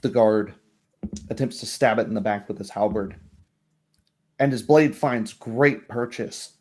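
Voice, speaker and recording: A man narrates a tabletop roleplaying game as game master. His voice sits low and has a dark, mellow tone. He describes scenes in a measured storyteller's way. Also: husky.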